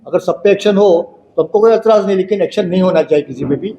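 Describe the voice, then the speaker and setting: High-pitched man, mellow tone, emphatic explaining, press conference answers. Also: fast, muffled recording. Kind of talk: impromptu explanation.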